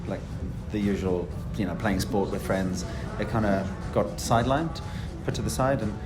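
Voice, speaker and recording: A man in his thirties from South Africa, a fitness instructor answering interview questions in a relaxed, chatty way with many ums. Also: lowish voice, moderate pace, over music.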